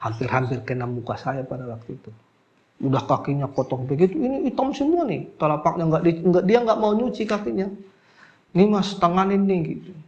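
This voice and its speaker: A middle-aged man telling a personal story in casual speech. He acts out the people he quotes and his voice drops low and soft as he talks about crying. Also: expressive, a little fast, highs cut off. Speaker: alternative healer.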